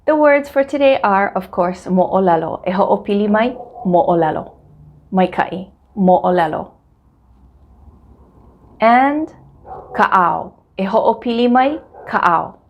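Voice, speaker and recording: Hawaiian woman teaching, gravelly voice. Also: medium pitch, expressive, dull audio. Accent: Hawaiian English. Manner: friendly, repeats words slowly for listeners to echo. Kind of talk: casual vlog-style language lesson.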